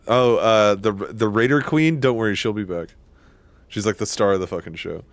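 A man in his thirties hosts a live gaming stream, talking loosely to his chat, rambling and cursing as he plays. His voice sits fairly low, and the sound is dry and close with no room echo. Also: normal speed. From Washington State. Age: 30s. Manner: loose, profane, rambling, chatting with viewers. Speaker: streamer, host.

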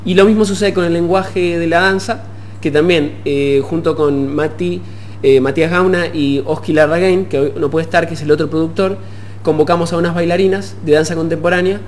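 A young Argentine man with a fairly high voice speaks as an interview guest. He explains things in halting phrases, with faint noise and hum behind him. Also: steady tone, a little mellow. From Puerto Madryn, Argentina. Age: young adult. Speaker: musician guest. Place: TV studio. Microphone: desk gooseneck microphone.

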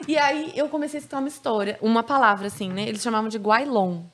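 A woman from Brazil tells stories on a podcast in a loose, chatty way, leaning on filler words. Her voice sits a little high. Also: fast. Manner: chatty storytelling with frequent fillers. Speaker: guest. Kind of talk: casual podcast chat.

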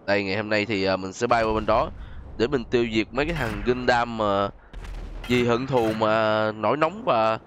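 A man with a lowish voice hosts a gaming video, talking at a normal pace in a casual, chatty way, exclaiming often and calling his viewers friends. His voice sits over loud game music and sound effects, with slight background noise.

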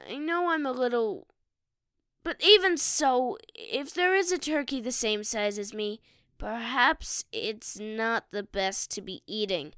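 A woman voicing a small, sweet, practical young boy in an audio drama, innocent and gently questioning. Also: fairly high pitch, unhurried, clean tone, no echo, studio quality. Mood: doubtful. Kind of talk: fan audio drama acting.

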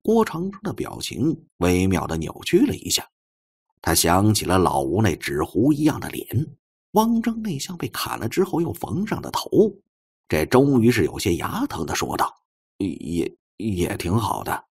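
Deep, animated male audiobook narrator. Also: moderate pace, vocal fry, breathy edge. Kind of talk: scripted storytelling narration.

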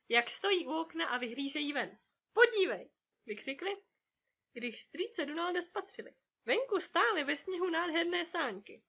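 A woman narrating a children's storybook in an expressive storytelling way. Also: high-pitched, highs cut off. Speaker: audiobook narrator.

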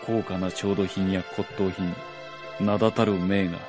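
An actor playing a gentle, melancholy nobleman in a Japanese radio drama, soft-spoken, brooding and measured. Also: low-pitched, level tone. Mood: sorrowful, brooding. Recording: music behind the voice.

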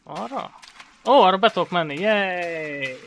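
Excitable swearing man playing a horror game. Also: sits high, slight background noise. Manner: excitable, swears often, yells when startled. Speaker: gameplay commentator. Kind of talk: horror let's play commentary.

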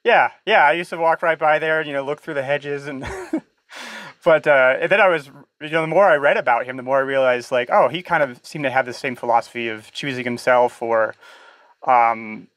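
A man hosting a podcast, asking casual interview questions in a halting, thinking-aloud way. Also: medium pitch, a bit bright, dry recording.

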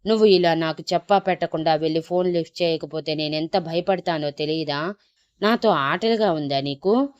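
A woman's voice: low voice, normal speed, darkish tone, no echo, highs cut off, lightly acted. A woman voicing a worried, protective young husband who scolds, then coaxes and pleads. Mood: scolding.

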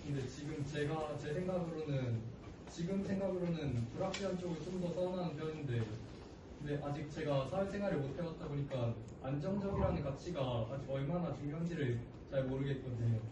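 A man's voice: on the high side, a little fast. A young man from Gyeonggi, a student putting a hesitant question to a lecturer. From Gyeonggi, South Korea. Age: young adult. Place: large classroom. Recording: echoey classroom, distant and noisy.

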